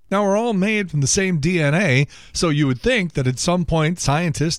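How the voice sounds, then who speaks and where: A middle-aged radio and podcast host who sounds hoarse, talking in a wry, sarcastic, rambling comic monologue. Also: male voice, on the high side, no room sound, clean studio sound. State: hoarse from laryngitis.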